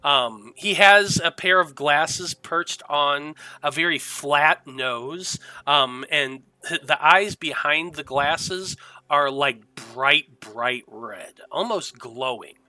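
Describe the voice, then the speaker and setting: A man narrating a tabletop game as game master, describing scenes in a halting, measured way. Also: fairly high pitch, pushed and bright, dry recording, low-quality recording.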